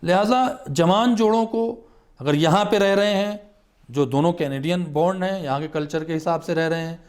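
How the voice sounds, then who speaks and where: Earnest man explaining, slightly high voice. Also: a little mellow. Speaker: religious scholar guest. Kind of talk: studio talk show discussion.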